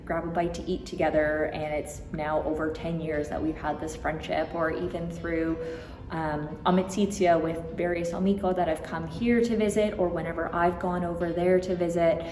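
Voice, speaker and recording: A woman's voice: fairly low pitch, steady tone, normal speed, darkish tone. Woman answering in a roomy hall. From Toronto, Canada. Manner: reflective, with frequent ums and likes. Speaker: interview guest. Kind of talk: conversational interview answers. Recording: roomy hall reverb, faint music.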